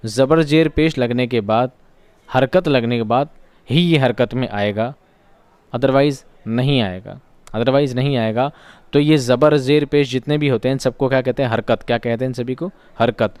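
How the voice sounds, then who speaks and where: A man's voice: medium pitch, normal speed, darkish tone, smooth, dry recording. A man teaching an exam-prep lesson. He asks questions and answers them himself, and he repeats key words for drilling. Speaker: online teacher.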